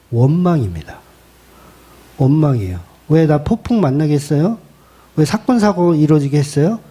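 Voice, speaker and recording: A male pastor preaching with an animated, colloquial delivery and dramatizing the lines he quotes. His voice sits fairly high and swoops widely in pitch. The tone is mellow rather than bright. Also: husky. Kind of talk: sermon.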